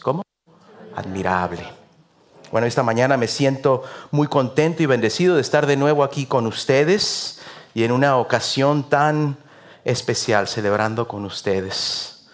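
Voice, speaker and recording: Mexican guy preaching, earnest and rhythmic, throws in lots of amens, regular man's pitch. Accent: Mexican Spanish. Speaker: visiting pastor. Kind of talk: sermon.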